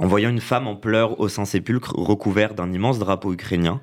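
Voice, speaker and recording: Fairly low in pitch, a man talks at a fairly quick pace with fairly even intonation. The recording is very clean, with a silent background. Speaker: student association officer. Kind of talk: scripted report.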